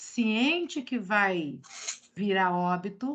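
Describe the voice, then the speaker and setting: Soft-spoken, a woman talks. Her pitch variation is ordinary. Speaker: psychology student. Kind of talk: class discussion. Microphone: too quiet for some listeners.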